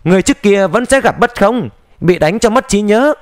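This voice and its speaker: A man voicing a young male cultivator hero in an audiobook, speaking firmly and a little lower than his narration. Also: lively intonation, a little fast. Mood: steady.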